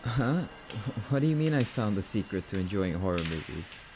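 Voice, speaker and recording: A man's voice: fairly low pitch, very animated, normal speed, noisy background. A young man playing a jumpy, bashful catboy boyfriend in an ASMR roleplay, stammering and hesitant, bratty but sweet. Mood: excited, startled.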